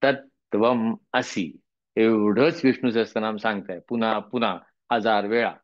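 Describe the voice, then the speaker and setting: A man teaching Sanskrit chanting, explaining verses conversationally with homely examples and reciting slowly. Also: lowish voice, steady tone, no room sound, lo-fi sound. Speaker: teacher of Vishnu Sahasranama chanting. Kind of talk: spiritual lesson with chanted verses.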